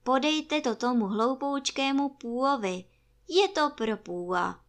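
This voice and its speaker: An eager little boy from a storybook, high and excited, as a woman reads his part. He asks and pleads earnestly. A gravelly texture stays under the raised voice.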